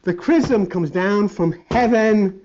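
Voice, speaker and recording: Fiery high-voiced male preacher, lo-fi. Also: takes it slowly, slight background noise. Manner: fiery, blunt, preacherly with sudden loud and hushed swings. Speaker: spiritual teacher. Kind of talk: sermon-style lecture. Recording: dull lo-fi recording.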